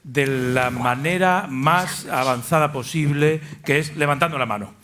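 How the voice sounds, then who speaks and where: A man's voice: a little high, moderate pace, bright, forceful tone. Man, moderator, panel event, light joking tone, faint background noise.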